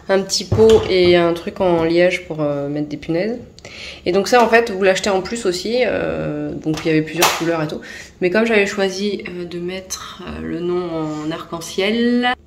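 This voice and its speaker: A woman's voice: mid-range voice, noisy background. A woman vlogger chatting casually to her followers, with a rambling, self-interrupting way of talking. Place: at home, kitchen.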